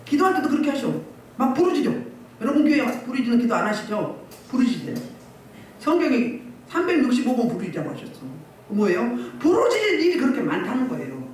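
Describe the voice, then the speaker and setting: Woman pastor, scolding sermon style; animated delivery, distant roomy recording with faint hiss. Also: on the high side, fast talker. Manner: scolding, exhorting, rhetorical questions. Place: church hall. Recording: echoey distant church recording, faint noise.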